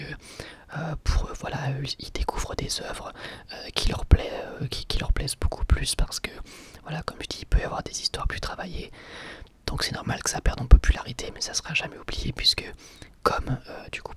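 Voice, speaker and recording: This is an intimate, breathy whisper a young adult ASMR host, pressed close to the mic. The pitch swings widely even inside the hush. The talk drifts along casually, full of small pauses and fillers. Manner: soft steady whisper, casual and hesitant with many fillers.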